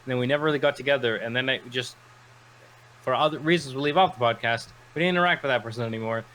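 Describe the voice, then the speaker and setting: A man's voice: mid-range voice, racing, a little hiss or hum, rough recording. A man co-hosting a casual gaming podcast, rambling through stories and acting out quotes as he goes. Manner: rambling, animated storytelling with acted-out quotes. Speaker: podcast co-host. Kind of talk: casual chat.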